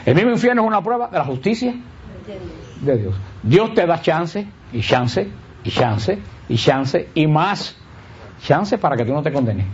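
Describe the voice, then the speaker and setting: A man giving a conversational Bible teaching, asking his audience questions and answering them himself with emphatic swings. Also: measured pace. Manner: lively, rhetorical questions, answers his own questions; emphatic swings in pitch and pace. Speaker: Catholic preacher teaching on Romans. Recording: dull lo-fi recording.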